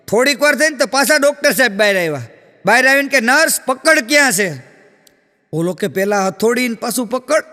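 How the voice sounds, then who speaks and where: A man's voice: sits high, pushed and bright, big-room sound. A man doing stand-up comedy, telling joke stories with acted dialogue on a live stage. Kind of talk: Gujarati stand-up jokes.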